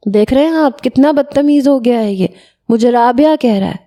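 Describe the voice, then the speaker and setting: An indignant elder sister in an audio story complains to her father, as a woman reader puts her on. The tone is dark and mellow. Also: fairly high pitch, pitched above the performer's own voice, lightly acted.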